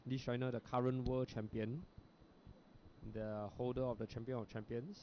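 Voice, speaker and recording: A man from Singapore with a Singaporean English accent, giving relaxed, chatty live commentary on a bowls match, with frequent fillers. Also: mid-range voice, normal speed. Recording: lo-fi broadcast audio with background noise.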